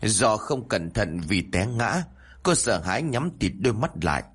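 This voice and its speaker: A man narrating a spooky audio story with a lively, dramatic telling. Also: lowish voice, moderate pace, breathy edge.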